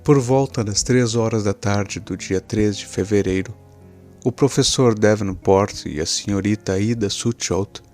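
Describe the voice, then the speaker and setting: A man's voice: fairly low pitch, darkish tone. A man with a Brazilian accent reading a scripted horror story as its narrator.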